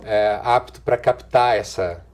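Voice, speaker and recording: A middle-aged man with a Brazilian accent, an actor and singer answering interview questions thoughtfully, with restarts, trailing pauses and frequent chuckles. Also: on the low side, darkish tone. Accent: Brazilian Portuguese. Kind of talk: relaxed conversational interview answers.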